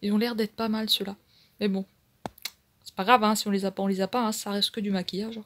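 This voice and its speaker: A woman's voice: medium pitch, flat delivery, fast talker, fairly bright tone. A woman in her thirties vlogging casually from home, rambling with lots of hesitations, recorded on a phone's microphone. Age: 30s. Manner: rambling, hesitant, full of fillers and restarts. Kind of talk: casual vlog chat to camera.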